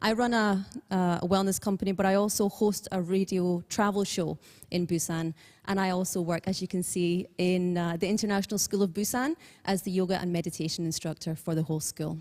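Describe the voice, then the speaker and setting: A woman with a Scottish accent at a fairly quick pace. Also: medium pitch for a woman. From Scotland. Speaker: wellness entrepreneur and radio host. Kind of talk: conference presentation; guided breathing exercise. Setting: online forum. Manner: animated.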